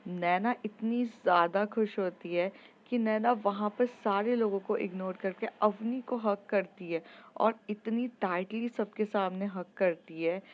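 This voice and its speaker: Woman telling a story, casual with lots of umms, muffled lo-fi audio. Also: mid-range voice. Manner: informal, many filler sounds.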